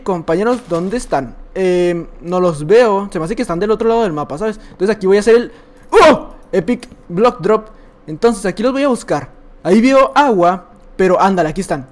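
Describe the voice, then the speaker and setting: A young man with a Mexican accent giving excitable, chatty live gameplay commentary, repeating phrases and laughing often. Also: high voice. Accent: Mexican Spanish. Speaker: gaming YouTuber.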